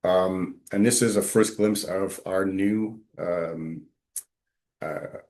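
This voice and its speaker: Deep-voiced man presenting. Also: fairly even intonation, a little mellow. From Quebec. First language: English. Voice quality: deep, measured, with frequent ums. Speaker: webinar presenter, patient navigation coordinator. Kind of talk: presentation with slides.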